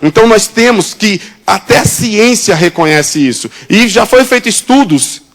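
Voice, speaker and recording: A man with a Brazilian Portuguese accent preaching a sermon as a pastor, full of rhetorical questions and quick mimicry of other people's voices. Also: sits high, animated, fairly bright tone.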